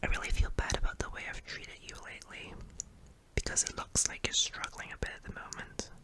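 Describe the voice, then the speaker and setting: A performer voicing a kindly, apologetic sleep paralysis demon in a soft, hesitant, breathy whisper for an ASMR roleplay. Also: a little fast, lightly acted. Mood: apologetic, gentle.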